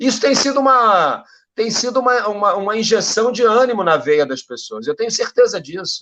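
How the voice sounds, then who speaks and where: A raised, projected voice with a bright, sharp tone, lively intonation and a moderate pace. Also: man, high pitch for a man. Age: 60s. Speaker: actor. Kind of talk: interview. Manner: halting.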